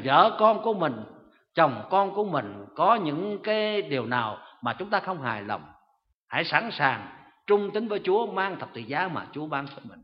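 A man preaching an earnest sermon to his congregation in a church, in a dull recording with long reverb. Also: high-pitched. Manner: earnest exhortation, repeated address to congregation. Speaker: pastor.

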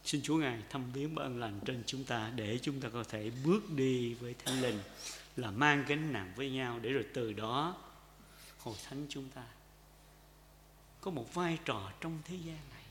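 A man preaching a sermon to his congregation. He repeats phrases and asks them questions, and swings between loud impassioned calls and quiet intimate asides. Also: medium pitch, normal speed, a little hiss or hum. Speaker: pastor. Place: church sanctuary. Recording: echoey hall with long reverb.

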